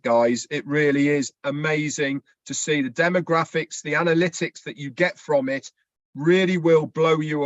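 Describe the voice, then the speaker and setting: A man's voice: fairly high pitch, dry recording, highs cut off. A man presenting on an online business chat, persuading his audience with rhetorical questions. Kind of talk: promotional talk to an audience.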